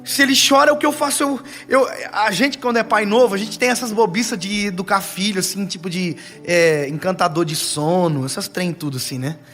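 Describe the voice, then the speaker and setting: A young pastor delivers a sermon in a high, lifted voice. He shifts between joking family anecdotes and slow, weighty pauses. Soft music sits faintly behind him. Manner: animated, storytelling with playful asides and dramatic slowdowns.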